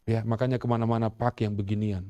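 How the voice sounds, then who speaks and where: A middle-aged man preaching a sermon as pastor, moving from quiet storytelling to loud, rousing exhortation and calling on the congregation to respond. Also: on the low side, little pitch movement, fast, no room sound, muffled recording.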